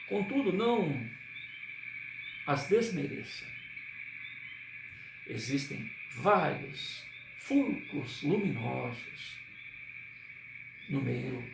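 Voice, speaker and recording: A man reading the lines of an earnest young preacher, speaking slowly and sincerely, recorded in a roomy space from a distance with crickets and frogs behind. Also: on the high side, creaky, noisy background, full character voice.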